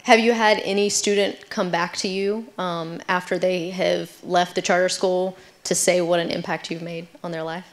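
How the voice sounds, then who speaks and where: A woman's voice: on the low side, flat delivery, moderate pace, few pauses. A woman in her thirties interviewing an honoree onstage, friendly and encouraging, on a handheld mic. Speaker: event interviewer.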